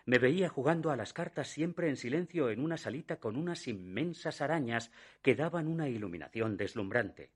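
An actor playing a man in his thirties who recounts a recurring nightmare, narrating a radio drama in a measured, hushed way that sinks almost to a whisper at the darkest moments. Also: medium pitch, lively intonation, husky. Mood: uneasy. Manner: measured, hushed storytelling that drops to a near whisper at dark moments. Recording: narration over music. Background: music.

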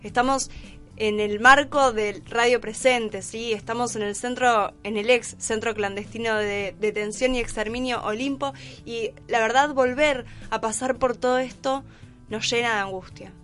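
An Argentine woman presents a radio talk show in a slightly high voice. She comments conversationally as host, with music playing softly behind her. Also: fairly even intonation, normal speed.

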